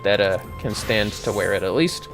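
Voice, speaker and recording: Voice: deep voice, lively intonation, moderate pace. A streamer casually commenting on an online fantasy game, muttering to themself and swearing lightly. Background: game music.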